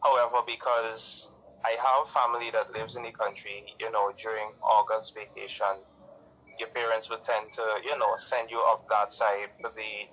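A man from Guyana, a guest in an interview, explaining things in a relaxed way with frequent fillers and pauses. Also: lowish voice, a little hiss or hum, low-quality recording. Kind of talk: casual interview answers.

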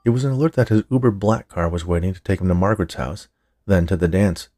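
A man narrating scripted fiction as a storyteller, in a measured, clearly phrased way. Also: low-pitched, dark tone. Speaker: writer, narrator and podcast producer.

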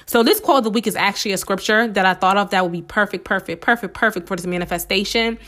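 A woman hosting a casual solo podcast, chatty and encouraging with many fillers, her voice slightly hoarse from a cold. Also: medium pitch, fast talker, fairly bright tone. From United States. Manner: chatty and encouraging, many "um"s, addresses listeners as "y'all". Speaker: podcast host.

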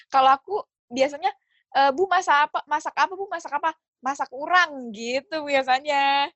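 Woman, high voice, dry close sound, animated storyteller, casual podcast chat. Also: normal speed, no room sound, dull audio. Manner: animated storyteller, acts out quoted dialogue. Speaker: podcast co-host.

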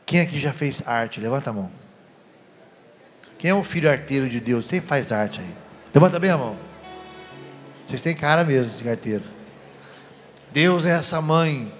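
A man preaching a sermon, telling personal stories to a live audience in an animated, laughing way. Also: medium pitch, moderate pace, long pauses, soft background music. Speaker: deacon preacher.

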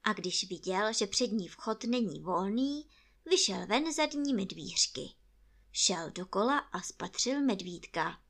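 Woman, children's story reader, lively, bright, fairly high voice. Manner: animated, expressive.

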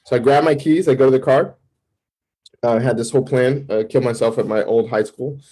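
Male campus minister, interview guest. Mellow, slightly raspy tone. Animated storyteller who acts out his old thoughts, talking in quick bursts. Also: mid-range voice, rough recording. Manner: fast bursts with restarts and fillers. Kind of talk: personal testimony in an interview.

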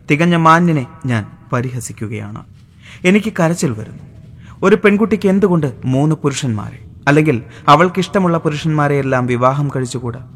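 A man narrating a literary audiobook, reading a letter in a measured, heartfelt way. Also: mid-range voice.

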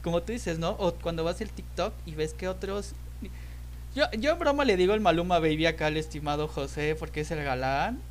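A man with a Mexican accent hosting a podcast chat, joking, laughing often and breaking into loud excited exclamations. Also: fairly high pitch, fairly quick, slight background noise. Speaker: podcast host. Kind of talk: casual chat.

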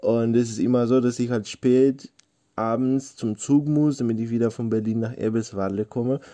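A man's voice: medium pitch, steady tone, normal speed, mellow. A young man from Ukraine, a guest on a casual podcast, talking hesitantly with many fillers late at night from bed. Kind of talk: casual chat.

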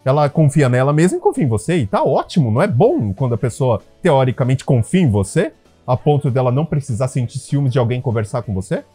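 Lively, warm-voiced man telling stories. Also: fast talker, slightly rough, faint music behind. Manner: lively, acts out quoted voices with big pitch jumps; conversational, many tag questions and fillers. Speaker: relationship and couples wellness speaker. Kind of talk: casual storytelling monologue to listeners.

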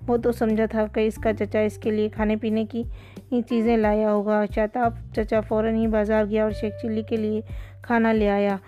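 A woman reading a children's story aloud in a calm, steady way. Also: medium pitch, lo-fi sound, soft background music. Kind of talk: storybook narration.

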